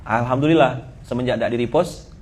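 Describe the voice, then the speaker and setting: A middle-aged man preaching a humorous sermon with a Pontianak Malay accent, teasing his listeners in a lively storytelling manner. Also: mid-range voice, fairly quick, slight background noise. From Pontianak, Indonesia.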